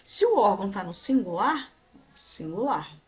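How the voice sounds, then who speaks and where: A woman's voice: mid-range voice, very animated, unhurried. A woman teacher with a Brazilian Portuguese accent, giving a grammar lesson in an explanatory way and pointing things out on slides while checking in with her students.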